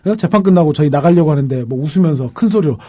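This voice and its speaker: A man, a defense lawyer, telling a case story in a lively panel talk and acting out the people he quotes. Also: on the high side, quick pace.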